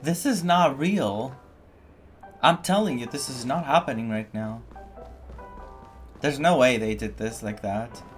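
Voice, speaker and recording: A man's voice: medium pitch, measured pace, pauses often, faint music behind. A man streaming a video game, reacting casually with incredulous, repetitive muttering.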